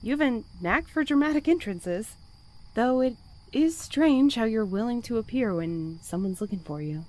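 A woman playing an earnest, guarded and conscientious postal worker in an audio drama, speaking in a measured, articulate way. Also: fairly high pitch, animated, warm tone, natural voice, rough recording. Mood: determined. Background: music.

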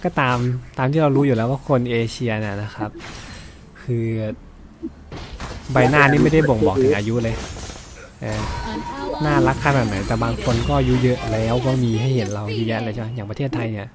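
A man's voice: mid-range voice, fairly quick. Chatty young man with music behind. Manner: chatty, teasing, laughs often. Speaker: gaming streamer. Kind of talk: casual game commentary.

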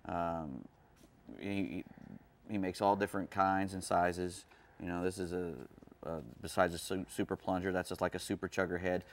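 Deep-voiced rambling man. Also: flat delivery. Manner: rambling, halting with restarts. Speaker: fishing gear presenter. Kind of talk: casual show chat.

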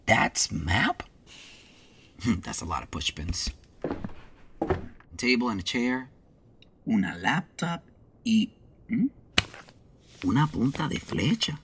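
A woman's voice: rumbling low, very animated, slow pace, long pauses, slight background noise, exaggerated voice. A woman playing a nosy, jumpy, muttering snoop in an audio drama, with Spanish-influenced Latino English. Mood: curious muttering.

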